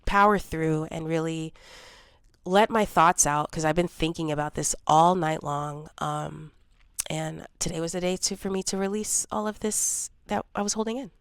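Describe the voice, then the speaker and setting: A woman in her forties speaks candidly to the camera in a personal vlog, her voice slightly congested from a cold. She sounds low on energy. Her voice is a little low, smooth and clear, recorded close in a dry room. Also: unhurried, no echo. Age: 40s. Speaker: vlogger.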